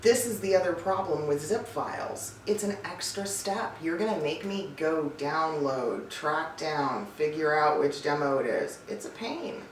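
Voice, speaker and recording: A woman's voice: deep voice, expressive, unhurried, few pauses. A woman hosting an advice vlog as a voice-over coach, talking to listeners in a chatty, emphatic, informal way. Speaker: host, voice-over coach and casting director. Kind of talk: scripted-feeling advice vlog to camera. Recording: roomy echo, distant mic, faint noise.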